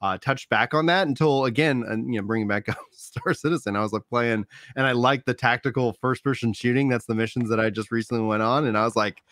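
A man's voice: mid-range voice, fast, few pauses, fairly bright tone, no room sound, clean studio sound. A man co-hosting a podcast in casual chat, rambling loosely with lots of fillers. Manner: rambling, many fillers and restarts. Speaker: podcast co-host.

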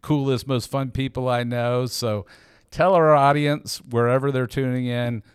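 A man's voice: mid-range voice, fairly even intonation, measured pace, clean tone, no room sound. A man hosting an interview show, talking in a chatty, joking way. His voice is dry and close, with no room sound. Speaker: podcast host. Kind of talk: casual interview chat.

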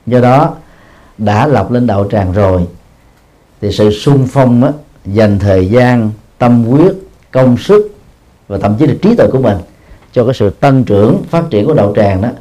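A man, a Buddhist monk, giving a dharma talk at a practice hall, explaining at length, padding his phrases with a drawn-out filler and chuckling at himself. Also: medium pitch, warm tone. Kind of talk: dharma talk answering questions.

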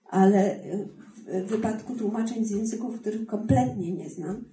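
A woman's voice: mid-range voice, normal speed, mellow, reverberant, distant mic, low-quality recording. A woman, a book editor with a translator's diploma, telling stories in a podcast conversation, self-deprecating and emphatic.

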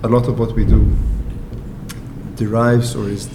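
A middle-aged man whose first language is Icelandic, a guest speaking in a casual interview. He has a relaxed, wry, self-deprecating way of talking. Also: fairly low pitch, unhurried. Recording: roomy, with clear ambient background noise.

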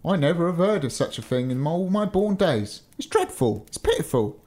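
A man playing a blustering, booming young giant. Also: very animated, moderate pace. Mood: grumbling. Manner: loud, imperious, exclamatory.

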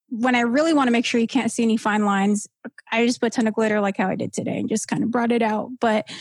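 A woman's voice: a little high, no echo. A young woman hosting a podcast, chatting casually and upbeat with plenty of slang. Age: young adult. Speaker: podcast host. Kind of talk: casual chat.

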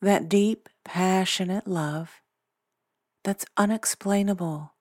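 A woman leading a guided meditation in a soothing, deliberate way, pausing often between short phrases. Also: medium pitch, steady tone, no echo, studio quality. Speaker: meditation guide, podcast host. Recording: background music. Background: soft instrumental music.

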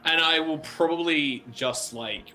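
A man's voice: fairly high pitch, measured pace, bright, forceful tone, low-quality recording. A man chatting casually as a tabletop game player, thinking aloud in a tentative way. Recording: music underneath.

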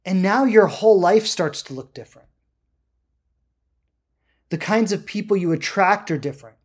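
A spiritual self-help coach giving an unscripted motivational talk, speaking emphatically and deliberately, drawing out key words and checking in with rhetorical questions. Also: medium pitch, lively intonation.

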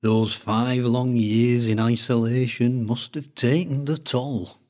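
A man voicing an older male collector with a thick Lancashire accent, speaking in a slow, droning storytelling way. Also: medium pitch, fairly even intonation, darkish tone, voice pushed up, close to an everyday voice.

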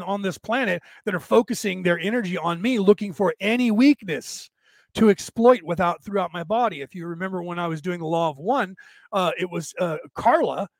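A man with a raspy, tired, worn-out voice, talking casually and haltingly as he hosts a rambling livestream and answers listeners. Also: high voice, dry recording. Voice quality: raspy, damaged-sounding voice from long-standing vocal cord trouble. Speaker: host of a spiritual talk livestream.

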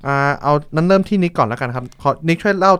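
A man's voice: fairly high pitch, expressive, fast, a bit bright, smooth. Male podcast host, casual and playful, chatty with lots of fillers.

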